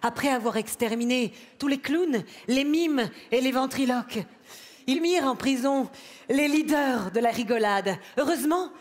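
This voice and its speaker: A woman playing a solemn, grandiose space-saga narrator in a stage comedy sketch, speaking deliberately into a headset. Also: high-pitched. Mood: solemn, dramatic. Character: solemn, touchy female space-saga narrator in princess costume. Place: large outdoor festival stage.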